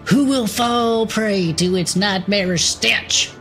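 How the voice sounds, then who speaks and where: Man doing a slow spooky show announcer. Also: sits high, a bit bright, soft background music, exaggerated voice. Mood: ominous. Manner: slow ominous dramatic delivery.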